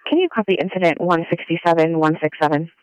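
A man's voice: fairly high pitch, fast talker, clear, resonant tone, no echo. A man working as a police dispatcher, heard over a police radio transmission, calling out clipped radio codes. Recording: muffled dry radio audio.

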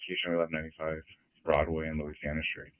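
A police officer speaking over a police radio transmission in brief, clipped codes. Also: male voice, a bass voice, completely flat delivery, rapid-fire, dry recording. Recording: tinny narrow-band radio.

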